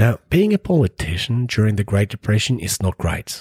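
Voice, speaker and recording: A man speaks at a fairly low pitch, somewhat breathy, with lively intonation. The sound is dry and close, with no echo. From Scandinavia. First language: a Scandinavian language. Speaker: history podcaster. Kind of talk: history storytelling monologue.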